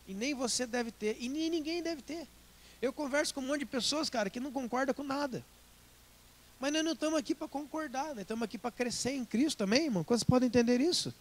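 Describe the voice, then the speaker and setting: Man preaching, Brazilian accent, high-pitched voice, playful, lively asides. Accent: Brazilian Portuguese. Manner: lively, joking, with quick acted asides. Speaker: pastor. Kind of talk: sermon.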